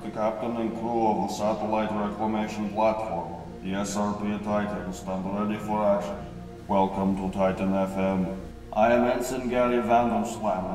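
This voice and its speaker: An actor playing a stiff ensign who narrates a comic radio drama in deadpan, oddly worded sentences. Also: male voice, fairly low pitch, slight background noise, lightly acted. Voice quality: stilted, deadpan, odd grammar. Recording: very echoey, distant mic.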